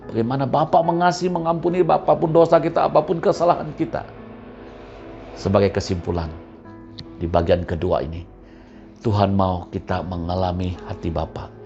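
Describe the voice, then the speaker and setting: A male pastor tells a sermon story in a low, gravelly voice, acting out the voices of his characters. The recording is slightly muffled, with soft music in the background. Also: normal speed.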